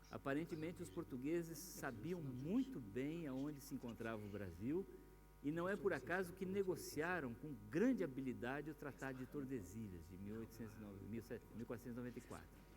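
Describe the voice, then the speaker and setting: Music plays in the background as a man speaks at a fairly quick pace with audible room echo. His medium-pitched voice swings very widely in pitch. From Brazil, Paraná interior. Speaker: author and journalist. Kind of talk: public Q&A talk. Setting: theatre stage with audience.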